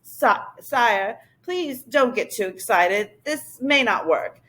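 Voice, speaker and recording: A woman's voice: fairly high pitch, lively intonation, takes it slowly, sharp tone, heavily acted. Woman doing a busy male professor, weary, clipped, exasperated, polite, storybook.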